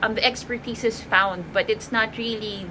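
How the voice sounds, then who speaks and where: A woman speaks at a moderate pace with fairly even intonation. Noticeable background noise sits behind her. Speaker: doctor. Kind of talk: group discussion. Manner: hesitant.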